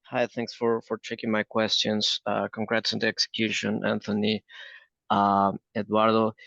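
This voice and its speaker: A man asking questions as an analyst on a business call, polite and halting, often repeating words. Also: on the low side, monotone, gravelly, fairly bright tone, no room sound. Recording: dull, lo-fi call audio.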